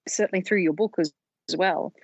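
A woman co-host asks calm, measured questions in a lowish voice. Her sound is dry and muffled, like a lo-fi call line. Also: vocal fry, husky, dry recording. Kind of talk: casual interview chat.

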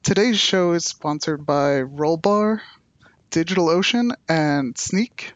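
A man's voice: fairly high pitch, slow, no room sound, muffled recording. A man hosting a podcast, introducing guests and putting questions to them. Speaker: podcast host.

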